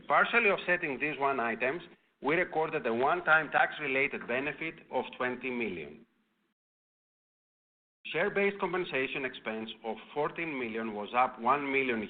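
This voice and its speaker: Male finance executive for an earnings call: formal, measured scripted delivery, medium pitch, tinny phone-line audio. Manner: formal, measured reading of figures.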